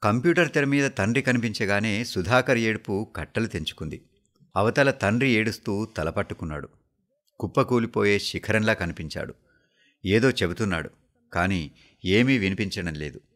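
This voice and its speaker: A man with a Telangana accent reading a story aloud for the radio in a steady, measured way. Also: fairly low pitch. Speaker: story reader.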